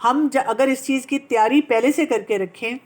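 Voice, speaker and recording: A woman, a pediatrician and parenting coach, gently explaining how to heal from trauma and slipping English terms into her speech. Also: sits high. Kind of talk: Islamic-based talk on healing from trauma.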